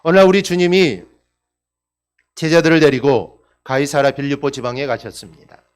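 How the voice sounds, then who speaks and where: A man's voice: medium pitch, moderate pace, smooth. A male pastor giving an earnest, emphatic sermon.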